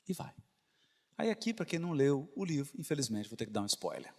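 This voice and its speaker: In a lecture hall with a reverberant sound, a man delivers a spiritist lecture, telling a story and asking the audience rhetorical questions. His mid-range voice is brisk, with big pitch swings.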